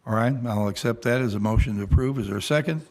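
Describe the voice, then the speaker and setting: A man's voice: medium pitch, quick pace, a little mellow. An American man presiding as county judge over a local government meeting in a formal, procedural way.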